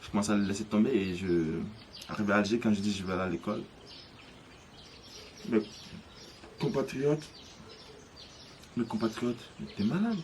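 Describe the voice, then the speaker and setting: A man, lowish in pitch, recounts his own story. He halts and restarts often, searching for words. Faint birdsong stays behind him outdoors. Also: a little mellow, slight background noise. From Côte d'Ivoire. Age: 30s. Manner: hesitant, halting, many restarts. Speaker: interviewee. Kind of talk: personal testimony.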